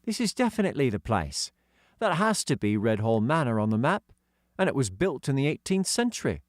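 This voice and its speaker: A man voicing a blunt, excitable schoolboy in an audiobook adventure story. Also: mid-range voice, fairly quick, dry recording, clean studio sound, voice pushed up, natural voice. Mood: emphatic.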